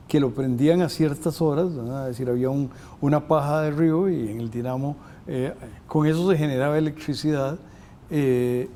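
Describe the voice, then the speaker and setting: Older man, host, from Costa Rica, halting, full of fillers, mellow dark voice. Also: medium pitch, slight background noise. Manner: halting, many filler sounds. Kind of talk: university TV interview.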